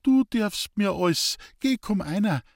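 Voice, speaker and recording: A man reading aloud, voicing a gentle, pious, hoarse Bavarian woodsman. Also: sits high, lively intonation, measured pace, no room sound, clean studio sound, voice pushed up. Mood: tender.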